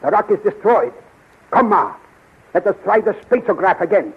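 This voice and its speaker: An actor playing an authoritative, shrewd space commander with a husky voice and measured, commanding delivery in 1930s radio serial style. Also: male voice, high voice, very animated, a little hiss or hum, exaggerated voice. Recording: thin, tinny 1930s radio recording.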